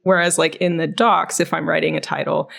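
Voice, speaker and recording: Low-voiced woman chatting on a podcast. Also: fairly even intonation, a little fast, vocal fry. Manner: informal, frequent "like". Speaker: podcast co-host. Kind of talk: casual chat.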